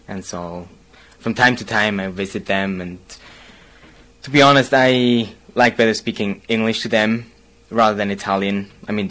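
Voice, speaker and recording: A man's voice: on the low side, a bit bright. A young man from Basel with a Swiss German accent, whose first language is German. He reads a short passage and then talks casually, hesitating often and chuckling between phrases. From Basel, Switzerland. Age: young adult. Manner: hesitant, frequent pauses and fillers. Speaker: university student.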